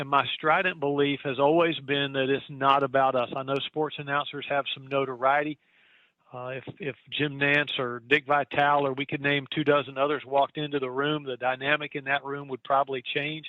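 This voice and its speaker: A man with a Southern US accent talks at a moderate pace. His voice is fairly high-pitched and monotone, with flat intonation. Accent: Southern American. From North Carolina, US South. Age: 50s. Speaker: football radio play-by-play announcer. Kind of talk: interview.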